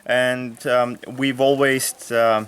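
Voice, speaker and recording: A young man from Bulgaria speaking English with a Bulgarian accent, casually showing a visitor around outdoors, relaxed with many fillers and restarts. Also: mid-range voice, slow, smooth. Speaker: volunteer giving a tour. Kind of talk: casual explanatory tour. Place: outdoors in a rural garden and field.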